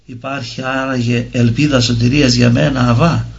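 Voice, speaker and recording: An ashamed young woman begs for help in a storybook reading, voiced by a male narrator with a gravelly tone. The voice is not raised or thinned for her. It comes through a dull, lo-fi recording. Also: medium pitch, level tone, natural voice. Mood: pleading.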